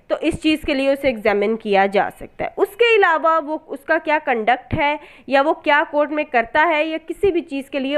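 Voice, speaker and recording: A woman's voice: high-pitched, a bit bright. A woman with a South Asian accent giving an explanatory law lecture, going step by step with rhetorical questions and mixing in English terms. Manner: code-switches between Hindi-Urdu and English terms. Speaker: law teacher. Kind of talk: explanatory lecture on statute articles.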